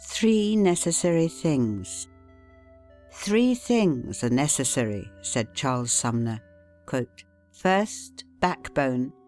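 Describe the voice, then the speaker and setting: A woman with a notably low voice reads an old self-help book aloud as an audiobook. She takes her time and leans on key words with steady pauses. Soft instrumental music plays quietly under her. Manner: measured, deliberate reading with emphatic pauses. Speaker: audiobook narrator. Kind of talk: scripted narration of a classic self-help book.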